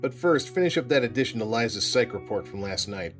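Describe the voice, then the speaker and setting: A man playing a gruff police boss. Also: medium pitch, expressive, quick pace, soft background music, close to an everyday voice. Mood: curt. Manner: gruff, dismissive, curt. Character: brusque middle-aged male police boss.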